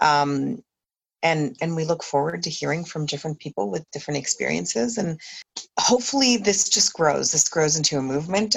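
In a Canadian accent, a woman with a very deep, low pitch and vocal fry speaks with very wide pitch swings. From New Brunswick, Canada. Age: 30s. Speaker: podcast co-host. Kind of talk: casual chat.

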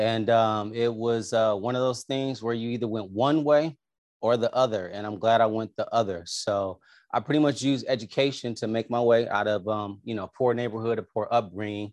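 An unremarkable speaking voice from a man with an American accent, medium pitch, fairly even intonation and a fairly quick pace over a quiet background. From Oakland, California. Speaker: dental hygienist and company founder. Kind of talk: interview.

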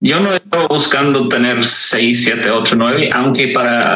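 Lively intonation and a moderate pace mark this voice with an American accent. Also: man. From USA. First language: English (speaking Spanish). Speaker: father and educator. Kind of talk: casual chat. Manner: hesitant with fillers.

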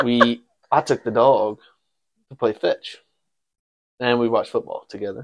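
A man talks at a moderate pace in an American accent, leaving long, frequent pauses. The sound is dry and close, with no echo. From Mississippi. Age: 20s. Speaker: podcast co-host. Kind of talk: casual chat. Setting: outdoor covered porch. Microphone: new microphone.

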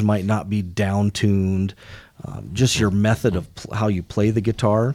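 This man has a normal speaking voice with a fairly low pitch and an American accent. He keeps a moderate pace and fairly even intonation on a very clean recording with a silent background. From Montana, Great Falls. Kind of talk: casual chat.

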